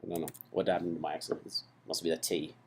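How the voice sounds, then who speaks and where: This male coding teacher speaks in a low, flat voice at a quick clip, and the recording is very noisy. His screen-recorded tutorial is casual and playful, peppered with "right?" and "okay" as he checks in with whoever's watching.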